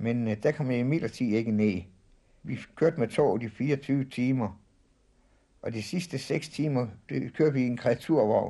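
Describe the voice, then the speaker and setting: Against a quiet background, a man speaks at a very slow pace with long, frequent pauses and a dark, mellow tone. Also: medium pitch for a man, ordinary pitch variation. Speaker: former wartime worker in Germany. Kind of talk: testimony. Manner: halting.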